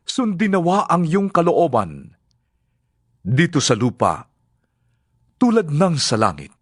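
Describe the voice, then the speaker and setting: A man with a Filipino accent playing a solemn, earnest religious teacher in a dramatized scripture reading, with measured, declamatory delivery. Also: a little high. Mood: prayerful, reverent. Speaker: voice actor.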